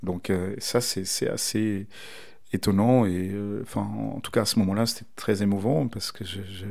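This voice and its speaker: A man's voice: on the low side, fairly even intonation, moderate pace, gravelly, a little mellow. Reflective man in his forties. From Mozambique. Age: 40s. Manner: thoughtful, circling back to rephrase ideas. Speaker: interviewee. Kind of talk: reflective interview answer.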